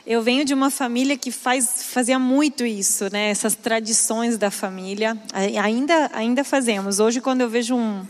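A woman's voice: fairly high pitch, fairly even intonation, normal speed, hardly any pauses, big-room sound. A woman sharing a heartfelt family story as co-host of a talk with her husband. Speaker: pastor's wife, co-host.

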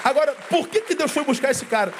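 A man's voice: extremely high pitch, animated, fast talker, a faint crowd, a little hiss or hum. A man with a Brazilian Portuguese accent, a pastor preaching a sermon and telling a story with acted-out dialogue and lots of repetition. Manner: storytelling, acts out dialogue, repeats phrases.

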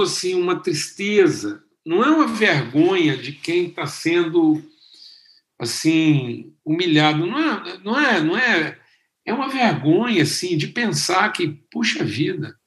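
A Brazilian man preaching as a pastor, talking in a conversational way with animated emphasis. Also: on the high side, echoey room. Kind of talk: sermon.

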